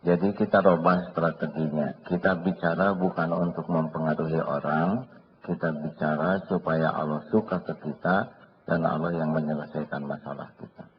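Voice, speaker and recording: A man preaching to a live congregation, animated, with sudden quick voices for the people he describes and a soft hush when he prays. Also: a bass voice, slight background noise. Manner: animated, acts out husbands, bosses and debtors in quick voices; drops to a soft hush for prayers. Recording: dull lo-fi sound.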